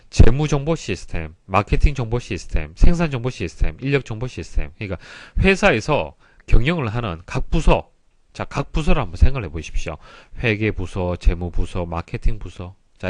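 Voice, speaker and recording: A man's voice: lowish voice, no echo. A man giving an explanatory exam prep lecture in a didactic way, stressing key terms and explaining politely. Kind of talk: explanatory lecture, reading and solving exam questions.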